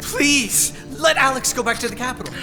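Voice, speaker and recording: A man's voice: very high-pitched, moderate pace, in a large hall. An actor playing an indignant, fiercely protective male companion in a science fiction audio drama, fussy and emphatic. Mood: alarmed, pleading.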